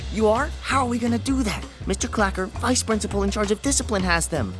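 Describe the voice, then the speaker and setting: A woman's voice: mid-range voice, lively intonation, fast talker, lightly acted. Lady doing a jumpy kid sidekick, always worried, a bit sarcastic, music behind. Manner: anxious, whiny, sarcastic. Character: nervous boy sidekick, cautious and reluctant. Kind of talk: audio drama acting.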